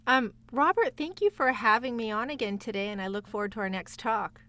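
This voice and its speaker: A woman's voice: fairly high pitch, brisk, a bit bright. A woman talking casually as a voice actor guest on a podcast, encouraging and speaking straight to the listeners. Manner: encouraging, addresses listeners directly. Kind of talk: casual conversational interview.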